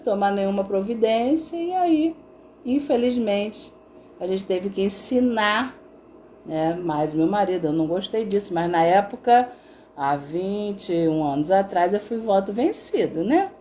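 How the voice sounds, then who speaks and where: A woman's voice: medium pitch, lively intonation, a little slow, warm tone, a little hiss or hum. A middle-aged woman therapist talking casually on a live stream, telling stories with frequent tag questions. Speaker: integrative therapist.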